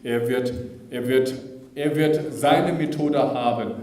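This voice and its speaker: A man of medium pitch gives a live interpretation of a preacher's testimony, his tone measured and earnest. The hall around him rings with echo. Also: fairly even intonation, a little mellow. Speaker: German interpreter. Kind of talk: live consecutive interpreting of a sermon. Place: school assembly hall.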